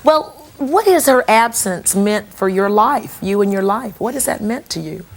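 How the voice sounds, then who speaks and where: A woman's voice: medium pitch, expressive, moderate pace, vocal fry. A woman hosting a television talk show, coaxing a guest to share his story before a studio audience.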